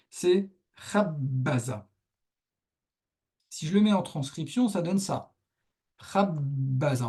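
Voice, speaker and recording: A man's voice: a little high, dark tone, slightly rough. A male Arabic teacher patiently explaining a lesson step by step over on-screen writing, with frequent verbal check-ins to his students.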